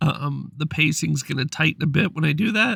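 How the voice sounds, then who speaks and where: A man with a fairly high pitch and a somewhat breathy voice speaks at a moderate pace in a dry, close sound with no echo, recorded very cleanly against a silent background. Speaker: gaming podcast host. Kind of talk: casual podcast monologue. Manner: many fillers, uh and um.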